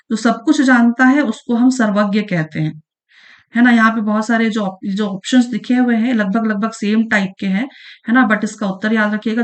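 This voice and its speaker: A woman teaching an online exam-prep lesson, patiently repeating each definition and checking in with the listener as she goes. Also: mid-range voice. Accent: Chhattisgarhi Hindi. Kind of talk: online lesson going through past exam questions.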